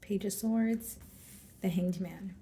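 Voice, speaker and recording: A woman giving a casual tarot reading with a hoarse, scratchy throat, thinking aloud as she draws cards and talks straight to her viewers. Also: mid-range voice, slow, mellow, echoey room. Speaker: tarot card reader.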